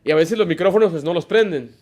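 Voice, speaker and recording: A man's voice: high-pitched, fast talker, darkish tone, slight background noise. A man, preaching a Baptist sermon as pastor, emphatic and full of stories and rhetorical questions. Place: church.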